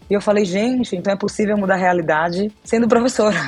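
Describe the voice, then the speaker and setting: A woman's voice at medium pitch with fairly even intonation, music playing in the background. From Salvador, Bahia, Brazil. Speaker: entrepreneur. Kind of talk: interview.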